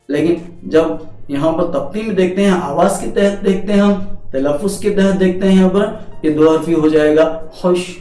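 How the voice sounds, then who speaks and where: A man's voice: sits high, a little mellow. A man teaching a lesson, patiently restating each point so it sinks in. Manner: patient, repeats each point to drive it home. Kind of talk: explanatory lesson on poetic meter. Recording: echoey room, distant mic, faint music.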